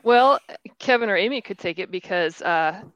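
A woman's voice: medium pitch, lively intonation, moderate pace, fairly bright tone, dry recording. A woman joining a live podcast, speaking in a cheerful, upbeat way. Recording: dull, dry, lo-fi call audio.

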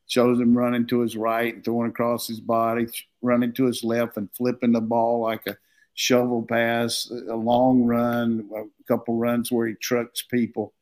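A man's voice: mid-range voice, monotone, normal speed, a little mellow. An older man with a drawl talks football in a loose, folksy ramble. He jokes along and stumbles into repeated words as he goes, with a mid-range voice. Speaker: former football coach, show regular. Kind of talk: casual sports talk.

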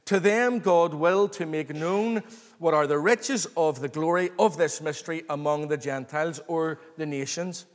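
A man preaching an expository sermon to a congregation, earnest, excited and emphatic, repeating phrases and calling for response. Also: a little high, normal speed. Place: large reverberant room, live before a congregation. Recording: long hall reverb.

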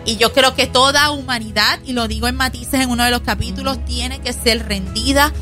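A woman's voice: a little high, steady tone, moderate pace, over music. A woman pastor, preaching earnestly on a Christian talk program and speaking straight to the audience. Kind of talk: Christian radio talk segment.

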